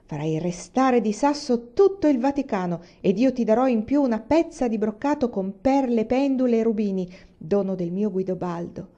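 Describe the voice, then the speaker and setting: Woman reading a gentle coaxing noble widow, soft persuasive manner, mellow tone, slightly muffled audio. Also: a little high, lively intonation, moderate pace, hardly any pauses, close to an everyday voice.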